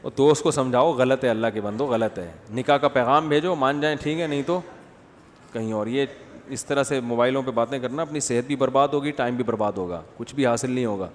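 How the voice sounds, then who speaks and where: An Islamic scholar gives a humorous religious talk, telling stories with comic impressions and answering questions read out from the audience. His voice is medium-pitched. There's a little hiss or hum and a long hall reverb.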